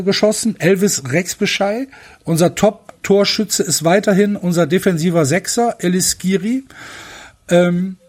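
A man hosting a casual podcast chat, venting at length with frequent hesitations and restarts. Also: sits high. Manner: frustrated rant full of fillers and restarts. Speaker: podcast host.

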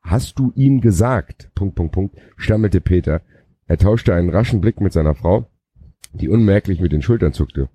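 Deep, dark-voiced man reading mockingly. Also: moderate pace, breathy edge, no echo. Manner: stumbling, sarcastic asides, frequent laughter. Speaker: podcast co-host. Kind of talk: mock reading of a novel aloud with commentary.

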